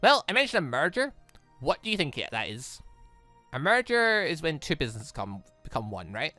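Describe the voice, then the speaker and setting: A game streamer voices a breezy, knowledgeable female hunter explaining the world to a student in a casual, confident, matter-of-fact way. The mid-range voice is very animated, bright and forceful at a moderate pace, recorded dry with music underneath.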